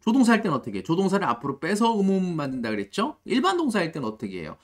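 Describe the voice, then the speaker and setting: A man teaching an English grammar lesson, reading example sentences slowly and asking rhetorical questions to the learner. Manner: slow, drilled example sentences, lively pitch.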